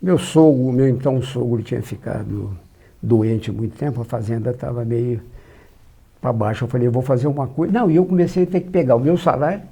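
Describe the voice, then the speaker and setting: Gravelly and husky at a medium pitch, an older man talks briskly as an interview guest. He's a journalist from São João del Rei in Minas Gerais, Brazil, with that regional Portuguese accent, telling lively anecdotes and acting out quoted dialogue.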